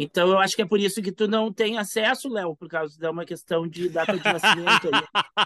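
This man's voice sits high in pitch, bright and sharp in tone, raised and projected with ordinary pitch variation. The sound is dry and close with no echo, over a quiet background. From Brazil, Porto Alegre area. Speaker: podcast co-host. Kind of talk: casual podcast chat.

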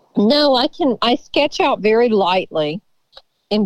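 Woman with a Texan accent and lively intonation, in a dry, close sound with no echo. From Texas Hill Country, Kerrville. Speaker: painter. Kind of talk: interview. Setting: remote interview from home.

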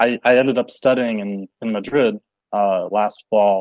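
At a moderate pace, a man speaks in a normal speaking voice. His pitch varies in an ordinary way. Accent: American. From Washington State, US. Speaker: law graduate and mountaineer. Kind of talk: casual chat. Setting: video call.

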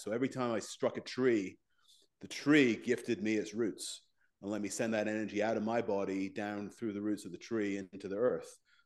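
A man with an unremarkable speaking voice talks at a moderate pace and medium pitch. His intonation stays fairly even over a quiet background. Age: 40s. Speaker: men's mindset coach. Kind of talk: casual chat.

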